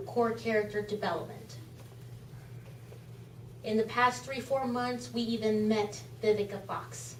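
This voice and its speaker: A woman whose first language is Spanish gives an earnest, impassioned charity talk to a club in a meeting room, repeating phrases as she goes. Her voice is on the high side, with slight background noise, recorded from far off in an echoey room.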